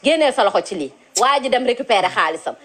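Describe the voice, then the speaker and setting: A woman's voice: a little high, animated, quick pace. A woman giving an earnest, detailed personal account of a complaint. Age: 30s.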